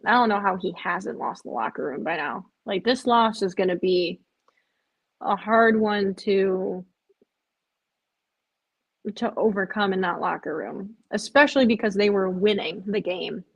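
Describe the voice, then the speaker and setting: A woman's voice: medium pitch, a little slow, vocal fry, breathy edge, rough recording. A woman hosting a live stream, chatting casually with viewers, sounding tired and rambling. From Chicago area. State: drowsy, yawning.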